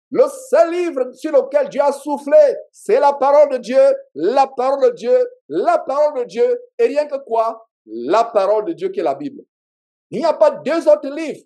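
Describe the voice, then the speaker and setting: A pastor with a Cameroonian French accent preaches to his congregation at a church meeting, his man's voice extremely high and mellow. He is emphatic, repeats his key phrases, and draws call-and-response from the crowd.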